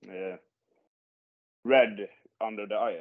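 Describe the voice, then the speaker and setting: In a Swedish accent, a man speaks at a very slow pace with a medium pitch. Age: 20s. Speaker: powerlifter. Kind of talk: interview. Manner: halting.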